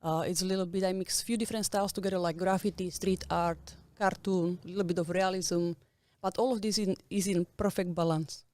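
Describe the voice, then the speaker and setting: Guest spot: self-assured woman from Slovakia, lowish voice, dry close sound, laughs often. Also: steady tone, fairly quick, a little mellow, no room sound. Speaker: tattoo artist guest. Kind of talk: casual interview talk.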